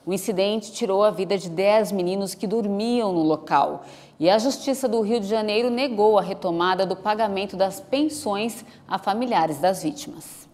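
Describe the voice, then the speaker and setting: A woman's voice: mid-range voice, moderate pace. Formal woman newsreader. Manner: steady, formal delivery. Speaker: news anchor. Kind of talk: live newscast reading. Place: outdoor studio set with trees. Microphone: lapel mic.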